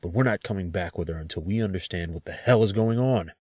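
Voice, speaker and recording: Audio drama lead: actor as blunt, protective federal agent, deepish raspy male voice, clipped phrasing. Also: fast, a little mellow, dry recording, clean studio sound. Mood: firm, defiant. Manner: terse, curt.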